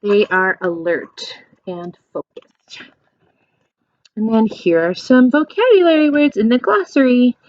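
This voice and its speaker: A woman doing a children's read-aloud as a teacher, explaining things in simple questions and animated, encouraging asides. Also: a little high, unhurried, no echo, highs cut off.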